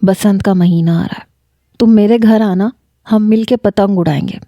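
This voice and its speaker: A woman's voice: mid-range voice, steady tone, mellow, no room sound, natural voice. A woman doing a bold, chatty college girl. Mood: brash. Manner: talkative, brash, self-assured.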